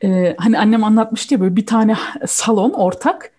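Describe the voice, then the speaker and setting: Mellow woman chatting casually. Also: mid-range voice, brisk, husky. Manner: switches between Turkish and German mid-sentence. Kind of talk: casual chat, explaining a film.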